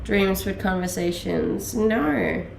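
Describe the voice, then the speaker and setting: Slow, gravelly Danish woman streamer. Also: medium pitch, echoey room, slight background noise. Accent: Danish-Australian mix. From Denmark. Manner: relaxed, laughing, many fillers. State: a little sick. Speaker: livestreamer. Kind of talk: casual chat reading viewer questions.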